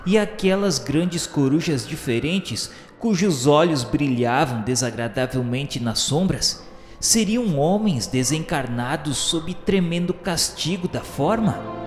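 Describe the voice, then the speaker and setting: Male radio-drama narrator, solemn literary read, medium-pitched voice, very echoey sound over faint music. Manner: measured, grave, formal.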